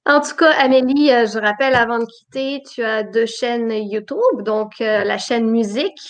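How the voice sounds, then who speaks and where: Online interview host, woman, fairly high voice, blended France and Quebec accent, relaxed chat style. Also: moderate pace. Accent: mixed French and Quebec. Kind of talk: casual chat.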